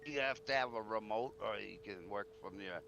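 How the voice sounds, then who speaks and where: A man's voice: lowish voice, normal speed, gravelly, pushed and bright, lo-fi sound, a little hiss or hum. A man talking casually in a folksy, informal way during game roleplay.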